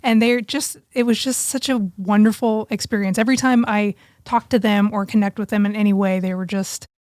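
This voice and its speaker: A woman's voice: medium pitch, fairly even intonation, a little fast, darkish tone, no room sound, studio quality. A woman co-hosting a podcast, telling personal stories in a casual, conversational way. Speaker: podcast co-host. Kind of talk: casual chat, personal storytelling.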